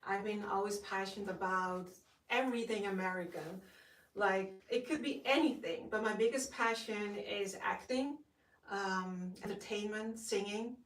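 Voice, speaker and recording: A woman's voice: medium pitch, unhurried. A young Dutch woman with a Dutch accent, a guest actress talking with gushing enthusiasm and lots of fillers. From Netherlands. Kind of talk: casual interview. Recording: roomy, distant from the mic.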